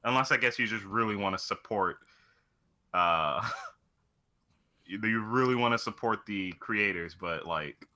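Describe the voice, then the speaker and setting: A man's voice: on the low side, measured pace, pauses often, pushed and bright. A man co-hosting a casual chat about video games, telling things in a loose, informal way. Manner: informal, loose storytelling with mild swearing. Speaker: podcast co-host.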